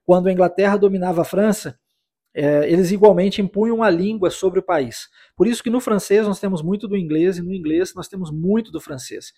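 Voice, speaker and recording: Male podcast English teacher, high husky voice, patient explainer who drills phrases. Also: warm tone. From United States. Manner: explanatory, repeats phrases for the listener to practise. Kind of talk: podcast language lesson.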